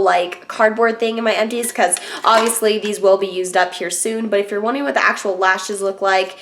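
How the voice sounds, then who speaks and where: Stuffy-nosed from a cold, a young female beauty vlogger gives her honest take on a product in a casual, rambling way packed with filler words. She speaks with a fairly high pitch and a fairly bright tone.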